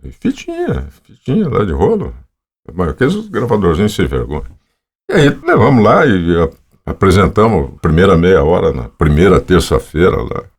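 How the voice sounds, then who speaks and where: A man's voice: low voice, huge pitch swings, normal speed, slightly rough. A Brazilian man in his seventies, a voice-over artist, telling long casual stories in an interview. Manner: rambling, anecdotal, with frequent fillers.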